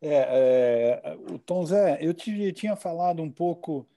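Very dark-voiced Brazilian male moderator. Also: a little high, animated. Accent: Brazilian Portuguese. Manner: halting, searching for words. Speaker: mediator. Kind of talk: moderating a talk.

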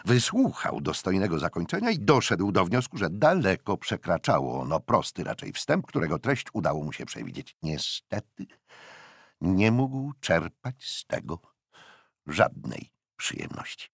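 An older male audiobook narrator reads literary fiction in a very low, husky voice whose pitch swoops wildly. Deliberate phrasing and dramatic pauses lend the reading a theatrical shape, and the studio recording is clean with no room sound.

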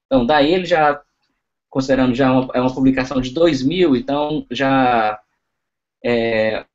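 Halting young man giving an online lecture. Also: medium pitch, muffled recording. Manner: halting, frequent fillers and restarts. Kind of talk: online lecture over slides.

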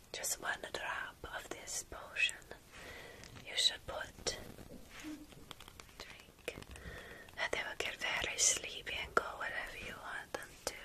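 A woman in her thirties playing a motherly, protective vampire mentor in a soothing, breathy whispered ASMR roleplay, with formal phrasing. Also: lightly acted, poor audio.

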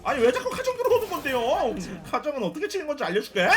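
A man streaming a game, yelling catchphrases and cackling through excited live commentary. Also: extremely high pitch, very fast. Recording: loud noisy game stream.

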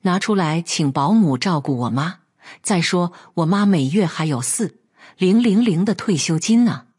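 A woman voicing a gentle, torn young husband caught between his wife and his parents in a read-aloud story. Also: lowish voice, animated, moderate pace, slightly rough. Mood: pleading. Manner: pleading, soft.

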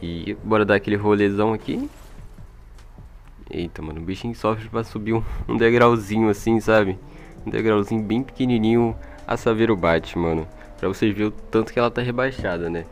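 A man's voice: on the low side, fairly even intonation, brisk. A man with a Brazilian accent giving casual, slangy, chatty gameplay commentary into an old microphone. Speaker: gaming video creator. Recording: music behind, old microphone.

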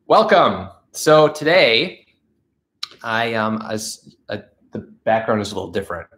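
Brief: stuffed-up man in his 30s with a lowish voice, chatty livestream host at home on the couch. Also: very animated, unhurried, a bit bright. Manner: chatty, upbeat, reads out viewer messages. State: stuffed-up nose from allergies. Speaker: channel host. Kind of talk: casual livestream chat. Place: living room with a couch, indoors. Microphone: camera facing him at close range.

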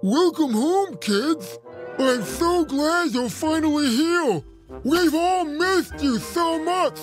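Woman voicing a high, slow, gushing dining table, storybook. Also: animated, faint music behind. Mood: excited. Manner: eager, welcoming. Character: excited, cheerful talking dining table.

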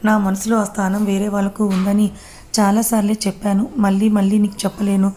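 A woman's voice: medium pitch, little pitch movement, quick pace, warm tone, a little hiss or hum, close to an everyday voice. A woman voicing a stern young man loyal to a lost love, with a firm, curt reading.

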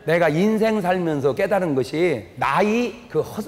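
In a large, echoey church hall with long reverb and background noise, an older man gives a funny revival sermon as pastor. His high voice is expressive at a normal speed as he spins folksy tales, quizzes listeners and acts out family arguments.

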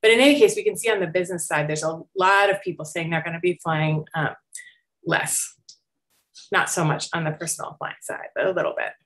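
A woman's voice: fairly low pitch, fairly quick, fairly bright tone. A middle-aged woman researcher explaining survey results in an informal, conversational slide presentation over a video call. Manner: conversational, explanatory, with frequent hedging and rising check-ins. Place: indoor room, on a video call.

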